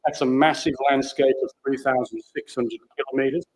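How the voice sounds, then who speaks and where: A man from Australia with a big booming voice, giving a measured, plain-spoken talk on stage into a microphone in a large theatre. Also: flat delivery, low-quality recording. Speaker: conservation program leader.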